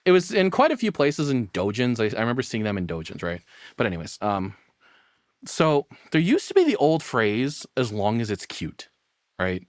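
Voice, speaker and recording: Guy streamer reacting off the cuff, sweary and rambly, smooth clear voice, really dry sound. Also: mid-range voice, wildly swooping pitch, moderate pace, dry recording. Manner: rambling, blunt and profane. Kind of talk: casual off-the-cuff reaction commentary.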